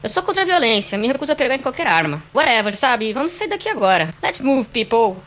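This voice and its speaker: Woman acting trendy spacey young woman, Brazilian, lively swooping pitch, highish, affected, amateur radio comedy. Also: fast. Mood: blasé. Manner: affected, dropping English words.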